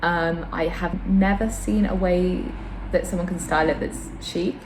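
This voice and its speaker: A woman vlogger and host with a slight sore throat chats casually to camera about fashion and her opinions, in an informal, self-deprecating way. Her lowish, slightly mellow voice is steady and measured. The recording has a roomy echo and noticeable background noise.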